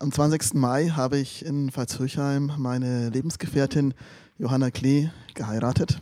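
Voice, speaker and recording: This man's voice is fairly high with a dark, mellow tone. He speaks at a fairly slow pace. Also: fairly even intonation. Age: 40s. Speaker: pastor. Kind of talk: interview testimony. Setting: in-person recording in a lounge room.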